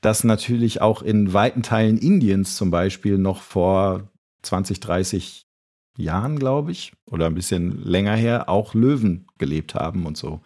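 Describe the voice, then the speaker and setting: In casual chat, a podcast co-host rambles, hesitates, and corrects himself as he goes. His voice sits low, with a darkish tone and a measured pace.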